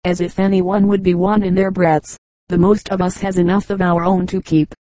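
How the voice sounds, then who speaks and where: A woman reading aloud, voicing a blunt Irish policeman in old New York with a lowered voice. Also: flat delivery, moderate pace, mellow, no room sound, close to an everyday voice, poor audio. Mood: gruff. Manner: blunt dialect talk, plain-spoken.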